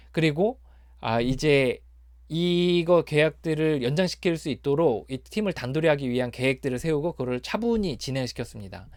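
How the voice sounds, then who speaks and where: A man giving a personal testimony on recovery, speaking haltingly with many fillers and restarts. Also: medium pitch, a little mellow, no room sound, studio quality.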